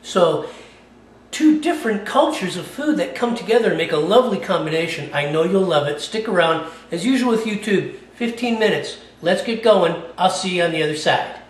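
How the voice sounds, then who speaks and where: Recorded with a slightly distant mic in an echoey space, a cooking-channel host chats his way through a recipe, repeatedly asking "okay?". He speaks at normal speed in an animated voice that sits high.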